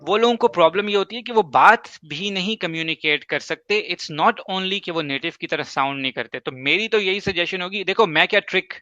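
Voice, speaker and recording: Casting note: a man with Urdu as his first language, hosting a casual advice talk, slightly high and bright, dry lo-fi sound. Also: no echo. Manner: emphatic, explains with examples and quick asides. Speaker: host.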